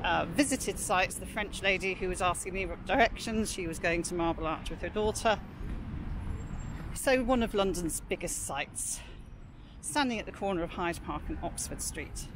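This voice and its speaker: A woman's voice: lowish voice, moderate pace. A woman narrating a walking tour of a city park in a chatty, informal way, recorded on a camera mic while walking outdoors. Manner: chatty, informal, reads out prices and history. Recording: outdoor street noise with traffic.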